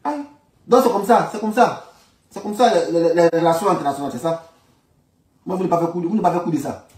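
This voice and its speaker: Recorded far from the mic in an echoey room, this man speaks fast with a fairly high, darkish voice. He has an Ivorian accent and delivers casual political commentary, using colloquial speech and repeated phrases to drive points home.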